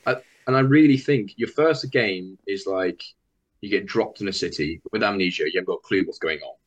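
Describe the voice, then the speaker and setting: A man appears as a podcast guest in casual chat, rambling and acting out the things people say to him. His voice is low-pitched and fairly quick. The sound is dull and lo-fi.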